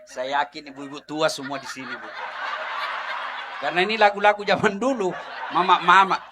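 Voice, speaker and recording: A middle-aged man preaching a humorous sermon to a crowd, animated, acting out wives and husbands and breaking into song. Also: a little high, moderate pace, noisy background. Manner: animated, acts out wives and husbands, sings snippets.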